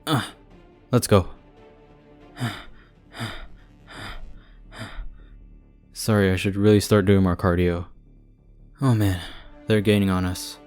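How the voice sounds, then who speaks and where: A man performs a protective, easily flustered young boyfriend in an audio roleplay. His voice is low and dry, with little room sound and faint music behind it. He talks casually and reacts with sarcastic asides. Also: steady tone, unhurried, long pauses, darkish tone, no room sound. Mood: urgent, flustered. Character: devoted, panicky, wisecracking young boyfriend. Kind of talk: ASMR audio roleplay acting.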